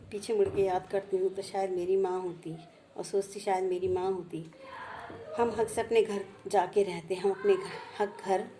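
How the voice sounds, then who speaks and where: Soft-voiced woman, heartfelt reminiscing. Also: medium pitch, slight background noise. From India. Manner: slow, heartfelt, repeats each phrase twice. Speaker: vlogger sharing memories. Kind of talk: personal reminiscence.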